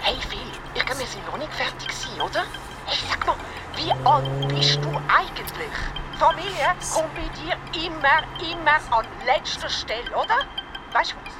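A scolding Swiss relative. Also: female voice, sits high, big pitch swings, moderate pace. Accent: Swiss German. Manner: scolding, reproachful. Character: angry woman relative on the phone, scolding. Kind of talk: radio play acting. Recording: loud traffic noise behind.

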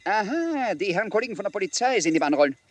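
Swooping, mocking high-voiced villain. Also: male voice, sing-song, fast talker, no room sound. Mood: mocking, amused. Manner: theatrical, mock-affectionate, taunting. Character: gloating, mocking male villain with a gun. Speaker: actor in a crime drama. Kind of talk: German crime drama acting.

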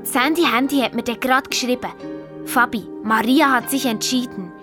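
A woman voicing a headstrong, hot-tempered young girl in an audio drama, narrating in a lively, indignant way with a Swiss German accent. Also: on the high side, lightly acted. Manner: lively, indignant, quick to flare up. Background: faint background music.

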